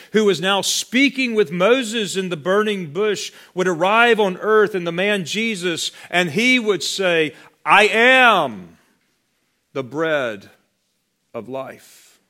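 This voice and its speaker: A man preaching a sermon, slow and deliberate, letting his voice drop to a hush on key words. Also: sits high. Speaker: pastor.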